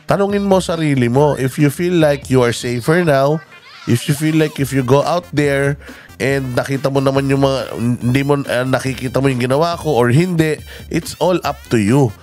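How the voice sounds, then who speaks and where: A man's voice: mid-range voice, moderate pace, a little mellow. Guy ranting about politics, lots of ums and ahs, gets heated, faint music behind. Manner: hesitant, many fillers, switches into English, angry swearing. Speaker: political commentary vlogger. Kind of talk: impassioned political commentary.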